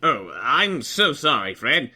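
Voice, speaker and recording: Guy doing a earnest dim adventurer, super bright voice, swoopy n melodramatic, obsessed with romance. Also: on the high side, big pitch swings, takes it slowly, breathy edge, full character voice. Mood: pleading, dramatic. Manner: melodramatic, apologetic. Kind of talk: audio fiction comedy acting.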